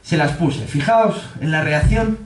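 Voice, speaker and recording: A man with a Spanish accent giving a humorous talk in a pub, laughing often and acting out quotes in a high voice. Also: animated, unhurried, roomy sound. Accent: Spanish from Spain. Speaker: speaker giving a public talk. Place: pub with an audience.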